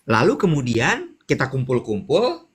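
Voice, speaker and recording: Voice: mid-range voice, huge pitch swings, unhurried, slightly rough. A co-host in a casual chat, asking probing questions and telling a personal story, acting out the quoted exchanges. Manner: conversational, asks probing questions.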